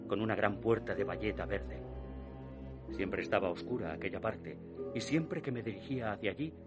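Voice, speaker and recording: A man's voice: on the low side, natural voice. A man voicing a haunted man in his thirties. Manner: measured, hushed storytelling that drops to a near whisper at dark moments. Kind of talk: radio drama narration. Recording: narration over music. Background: music.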